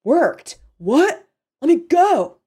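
A woman puts on a young man held captive in a thriller novel, pitched high and loud with panic. He exclaims in disbelief and pleads urgently. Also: sing-song, brisk, breathy edge. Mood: incredulous.

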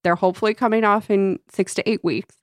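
A woman's voice: mid-range voice, steady tone, brisk, no echo, studio quality. A woman with a slight Midwestern accent co-hosting a podcast in casual chat, laughing often and playing with word sounds, a faint whistle from her braces. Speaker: podcast co-host. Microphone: studio microphone.

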